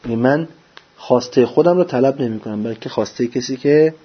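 A man giving a religious lecture, preaching with lively rhetorical questions and answering them himself. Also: mid-range voice, slightly rough. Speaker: religious teacher. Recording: dull lo-fi recording.

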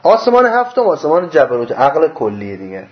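A religious teacher gives a mystical lecture, explaining a diagram and posing rhetorical questions that he then answers himself. His voice swings hugely in pitch, veering between loud bursts and low murmurs. The recording is dull and lo-fi.

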